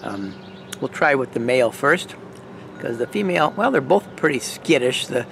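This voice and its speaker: A man in his sixties from Michigan, chatting in a relaxed, gentle way with pauses and fillers as he vlogs outdoors. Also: medium pitch, vocal fry, background noise. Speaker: nature vlogger. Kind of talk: casual outdoor vlog narration. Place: outdoors in a park, later indoors at home.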